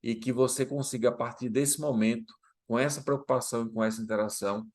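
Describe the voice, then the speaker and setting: Guy coaching on camera, lively, keeps asking "ok?", normal mid voice. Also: mid-range voice, fast. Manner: animated, speaks to viewers directly with tag questions. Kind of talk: motivational talk to camera.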